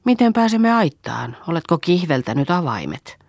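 A woman's voice: on the low side, very animated, vocal fry, a little mellow, no room sound, clean studio sound, pitched above the performer's own voice, heavily acted. A woman voicing a drowsy young farm girl woken in the night, groggy and grumbling. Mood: eager.

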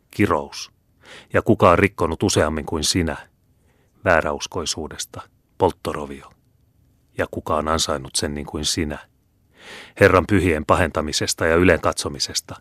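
A man's voice: very deep voice, steady tone, pauses often, fairly bright tone, no echo, studio quality. Man reading as a haughty menacing Jesuit. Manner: scornful, commanding, menacing. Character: haughty domineering older male Jesuit superior.

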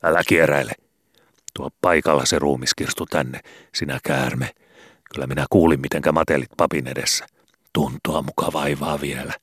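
A man doing a gruff, domineering old father. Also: very deep voice, steady tone, no room sound, studio quality. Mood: commanding. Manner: barking, commanding, sarcastic. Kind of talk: audiobook character voice.

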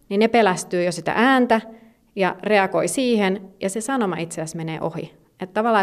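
A woman speaking as an expert in a conversational interview, explaining at length with many fillers and restarts. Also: fairly low pitch. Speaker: gymnastics federation expert.

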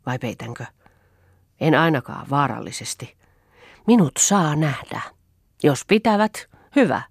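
A woman's voice: low voice, sing-song, breathy edge, no room sound, clean studio sound, full character voice. A woman reading the part of a proud, headstrong young woman who speaks in a challenging, mocking way. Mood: defiant.

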